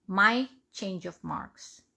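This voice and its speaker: Woman with a creaky voice reading aloud. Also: medium pitch, extremely slow, sharp tone. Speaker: reader of devotional testimonies. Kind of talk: reading a written first-person story aloud.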